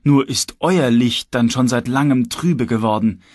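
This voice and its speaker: A man's voice: mid-range voice, a little slow, a little mellow, dry recording, studio quality, natural voice. A man voicing a cold, uncompromising young male magician who speaks with stern, unwavering conviction.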